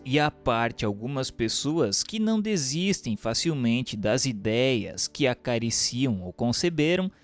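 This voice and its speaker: A man with a Brazilian accent reading a doctrinal book aloud as a narrator, in a formal, measured, didactic way. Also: medium pitch. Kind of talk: scripted audiobook narration of a doctrinal text.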